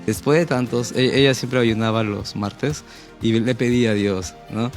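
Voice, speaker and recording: A man's voice: mid-range voice, steady tone, moderate pace, soft background music. A man from Peru giving an earnest, emotional personal testimony on a Christian talk show and acting out his own prayers. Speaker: guest sharing testimony.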